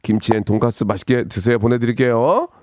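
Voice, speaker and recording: A man hosting a live radio call-in show, joking bluntly with callers and moving briskly from one to the next. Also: mid-range voice, darkish tone, no room sound, studio quality.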